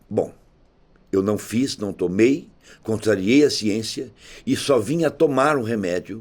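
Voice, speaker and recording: At a fairly slow pace, a man speaks at medium pitch with lively intonation in a very clean recording with a silent background. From Brazil, São Paulo. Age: 60s. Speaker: spiritist commentator. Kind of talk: personal testimony address.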